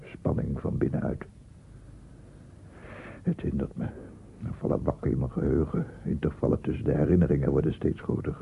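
A tormented grey-haired old man in a radio play. His low, creaky voice is halting and defensive, quick to take offence. The recording is dull with some background noise. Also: steady tone, exaggerated voice. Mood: tormented, brooding. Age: older. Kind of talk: radio drama monologue.

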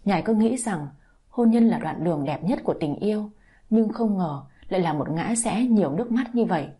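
Calm woman reading a story aloud. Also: medium pitch, fairly quick, breathy edge. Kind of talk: scripted story narration.

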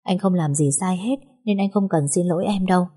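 A woman voicing a gentle young wife, speaking softly and politely. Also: lowish voice, a little fast, husky. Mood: tender. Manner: soft, polite, pleading.

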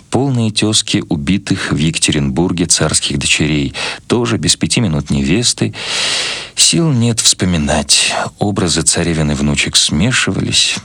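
A man reading literary prose as a scripted narration, in a measured, expressive storytelling manner. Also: low-pitched, no echo. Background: music.

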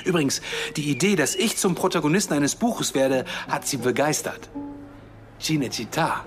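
An actor playing a Palestinian Arab man in a naturalistic radio drama, frank and measured, with dry self-irony. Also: on the high side, animated, over music, close to an everyday voice. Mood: earnest, hopeful.

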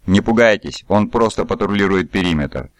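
A calm, self-assured stranger speaks in an easy, disarming way, read by a deep-voiced man. The low voice sits close and dry, with no room around it, and the tone stays unhurried. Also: no echo.

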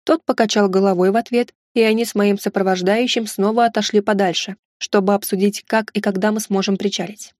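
Woman, audiobook narrator, mid pitch, steady, dry close recording. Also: fairly quick, few pauses, no room sound. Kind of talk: scripted narration.

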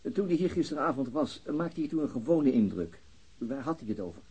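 A man playing a brisk, probing police detective in a radio drama, with questions broken by small hesitations. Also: medium pitch, sing-song, darkish tone, husky, heavily acted, poor audio. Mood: polite questioning. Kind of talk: Dutch radio drama dialogue.

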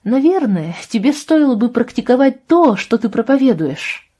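A woman's voice: fairly high pitch, very animated, normal speed, mellow, pitched above the performer's own voice. A woman reading an audiobook, voicing an upset, defiant teenage girl in raised, indignant outbursts.

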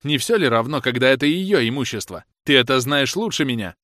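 A man's voice: medium pitch, lively intonation, fairly quick, a bit bright, dry recording, studio quality, voice pushed up, close to an everyday voice. A man voicing a jealous, furious young man who hurls accusations at his lover in a raised, scornful voice. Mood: angry. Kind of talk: audiobook character reading.

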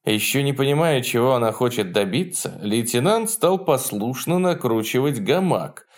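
A man narrating a novel in a measured, expressive scripted reading. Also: mid-range voice. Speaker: audiobook narrator.

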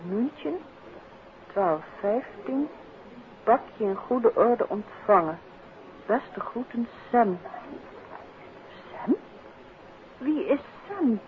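An actress playing an inquisitive, gently needling detective's wife, probing and wryly teasing, in a 1950s Dutch radio drama. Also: female voice, a little high, animated, drawn-out words, pauses often. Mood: curious, teasing. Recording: muffled, noisy 1950s radio recording.

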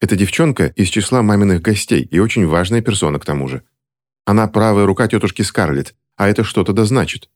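A man's voice: lowish voice, expressive, fast, close to an everyday voice. A man doing a bossy stubborn teen witch girl. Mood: bossy snappish. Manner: proud, snappish, insistent.

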